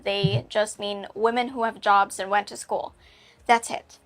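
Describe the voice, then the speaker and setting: A woman from the Philippines presenting a scripted advice video in a direct, measured, pointed way. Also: mid-range voice, level tone, low-quality recording. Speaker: video channel host.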